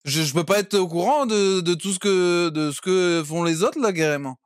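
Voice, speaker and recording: Cheeky, vulgar game player. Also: male voice, high-pitched, normal speed, clean tone, no room sound, studio quality. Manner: cheeky, vulgar, keeps saying "carrément". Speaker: roleplay player as a defendant. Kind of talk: crude joking roleplay in court.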